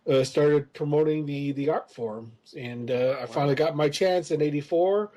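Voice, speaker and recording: A man's voice: a little high, moderate pace, mellow, dull audio. A man in his fifties, raised in the United States, guesting on a podcast and telling long stories full of hesitant "uh"s. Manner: rambling, many hesitant fillers. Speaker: interview guest, comics creator. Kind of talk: casual storytelling interview.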